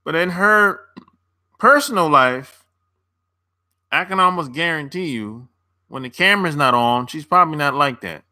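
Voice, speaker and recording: A man's voice: fairly high pitch, lively intonation, moderate pace, long pauses, bright, forceful tone. A man hosting a casual livestream, answering viewer comments in a laid-back, slangy way and laughing often between remarks. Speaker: dating coach and channel host.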